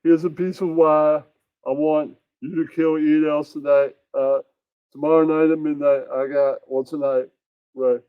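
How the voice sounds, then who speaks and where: A man voices a bossy mafia boss puppet in amateur improvised comedy. He rambles smugly in a slightly high voice. The sound is dull and roomy. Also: level tone, unhurried, clear, resonant tone, natural voice. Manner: rambling, self-satisfied catchphrases.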